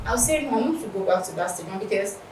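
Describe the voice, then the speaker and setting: Nigerian woman, animated, laughing, repeats herself, echoey, noisy. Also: medium pitch, quick pace. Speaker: guest. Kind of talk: casual interview chat. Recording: echoey room, distant mic, noisy.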